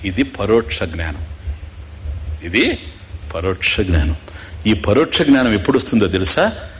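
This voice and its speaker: Male Vedanta teacher, lively discourse delivery, keeps asking the audience questions. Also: lowish voice, a little slow. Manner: keeps quizzing listeners, mixing in English asides. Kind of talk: spiritual discourse.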